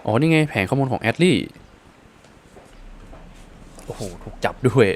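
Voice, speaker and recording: A man doing casual let's-play commentary, excitable and exclaiming at the action. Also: mid-range voice, measured pace, slight background noise. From Thailand. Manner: excitable, exclaims and swears at the game. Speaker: gaming streamer.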